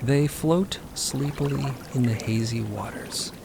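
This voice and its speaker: A male narrator reads scripted audio drama softly and wryly. His pitch is middling, and clear watery noise runs behind the voice. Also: a little slow.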